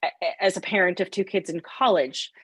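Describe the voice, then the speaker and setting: A middle-aged woman moderating a panel in a friendly, brisk, polite way on a video call. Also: lowish voice, fairly bright tone, husky, dry recording.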